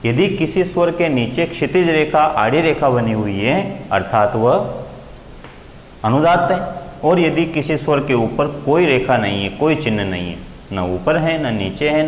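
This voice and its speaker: A man's voice: animated, unhurried. Man teaching in an echoey room. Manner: explains step by step, raising pitch to stress key terms. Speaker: Sanskrit grammar teacher. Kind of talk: classroom lecture. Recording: echoey room with long reverb, faint ambient noise.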